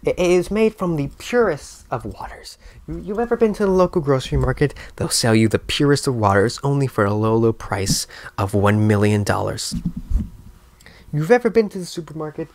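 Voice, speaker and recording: A man's voice: medium pitch, animated, normal speed, voice pushed down, close to an everyday voice. A man voicing an earnest, rambling cartoon cup in a comic dub, grandiose and repetitive like a salesman.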